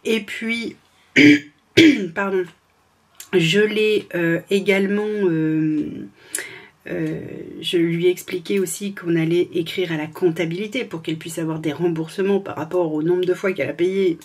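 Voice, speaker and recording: French woman vlogger, sore throat, breathy slightly low voice, halting casual chat. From France. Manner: hesitant, many fillers and restarts, laughs often. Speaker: freelance administrative assistant. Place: at home.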